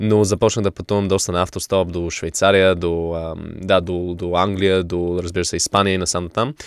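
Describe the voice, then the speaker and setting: In a slight North American accent, a man with a very deep, low pitch talks at a moderate pace in a flat monotone with hardly any pauses, the sound dry with no echo and the background quiet. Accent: slight North American accent in Bulgarian. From Canada and US, born in Sofia. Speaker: filmmaker and entrepreneur; podcast guest. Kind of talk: casual interview chat. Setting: studio. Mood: relaxed, reflective. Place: studio. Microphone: studio mic.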